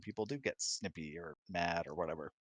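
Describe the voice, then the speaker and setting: Male co-host, somewhat deep voice, dry sound, talking through relationship advice in a relaxed conversational style. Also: a little fast, dry recording. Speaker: husband co-hosting a live Q&A. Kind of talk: casual conversational advice chat. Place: close-miked online voice chat, dry.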